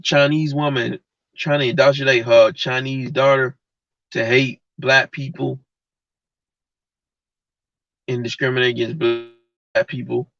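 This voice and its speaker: This male streamer speaks with a mid-range, creaky, slightly bright voice, flat in delivery, at a measured pace with frequent pauses. His rant to viewers is blunt, heated and slangy, captured on a dull lo-fi mic with no room sound.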